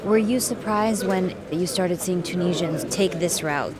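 A woman with a Lebanese accent reporting the news and interviewing people in the field, measured and clear. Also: fairly low pitch, a crowd in the background. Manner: measured, clear narration and direct questions. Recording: outdoor field recording with noise.

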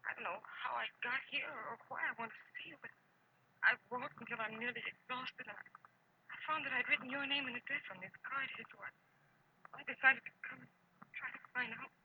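An actress playing a frightened, exhausted, confused woman in a 1940s radio drama, speaking haltingly and anxiously. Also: sits high, steady tone, close to an everyday voice. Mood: weary, bewildered. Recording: noisy old radio broadcast.

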